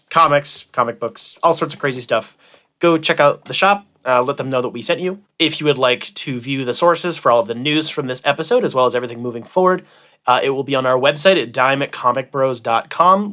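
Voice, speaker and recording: A man hosts a podcast in a medium-pitched voice. He talks casually and swears freely. His delivery rambles, full of joking, sarcastic asides. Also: a bit bright. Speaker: podcast host. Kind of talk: casual, profane podcast banter.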